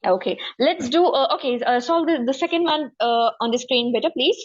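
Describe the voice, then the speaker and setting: Female maths tutor, South Asian accent, higher-pitched, encouraging, interactive, dull lo-fi recording. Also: lively intonation, a little fast. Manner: encouraging, frequently checking understanding. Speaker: maths teacher.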